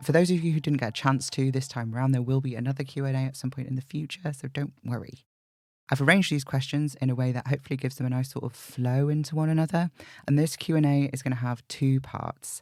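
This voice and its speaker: A medium-pitched man with a British accent talks at a very fast pace with fairly even intonation, on a very clean recording with a silent background. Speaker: podcast creator. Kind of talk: Q&A monologue.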